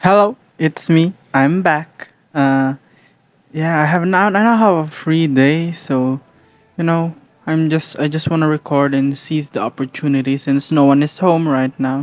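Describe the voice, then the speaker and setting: The speaker talks at a fairly slow pace in a Filipino accent. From Philippines. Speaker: vlogger. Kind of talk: casual monologue. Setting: at home. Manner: halting, repeats words.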